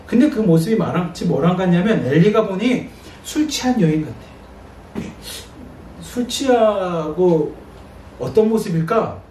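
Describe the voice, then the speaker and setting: A male pastor giving a sermon and reading scripture, talking in a conversational, animated way. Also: high-pitched. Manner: conversational, animated preaching with acted-out asides. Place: church sanctuary. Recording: echoey church, distant mic, faint noise.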